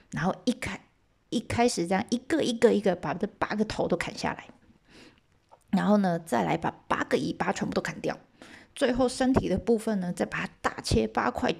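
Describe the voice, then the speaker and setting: A woman storyteller, retelling a legend for listeners in a loose, chatty way. Her mid-range voice carries a noticeable gravelly fry. She keeps turning to the audience with little asides and tags. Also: medium pitch. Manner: lively, asides to listeners, lots of OK and 哈.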